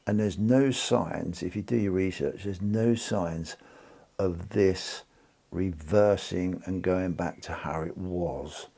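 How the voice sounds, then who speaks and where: British guy rambling on about his stacking, deep husky mellow voice. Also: slow pace. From United Kingdom. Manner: rambling, restarts and fillers, informal. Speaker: precious metals channel host. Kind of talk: casual chat to camera.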